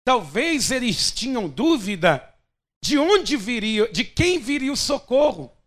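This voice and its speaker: Brief: man, pastor, dramatic sermon delivery, voice sits high. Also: sing-song, takes it slowly, a bit bright. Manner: emphatic, dramatic preaching.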